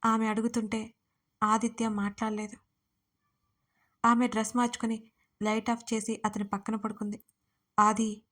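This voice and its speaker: A woman narrating an audio romance story in a soft, steady reading voice. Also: on the high side.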